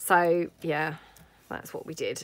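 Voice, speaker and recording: A woman speaks with a British accent. Her tone is bright and sharp. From UK. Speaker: crafting YouTuber. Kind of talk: casual crafting tutorial chat. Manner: chatty, filler-heavy. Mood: relaxed, chatty.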